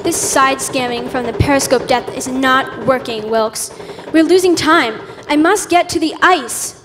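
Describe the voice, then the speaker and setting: A woman's voice: sits high, unhurried. A female actor playing an impatient, commanding expedition member in a live radio play. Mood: impatient, urgent. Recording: noisy live stage recording.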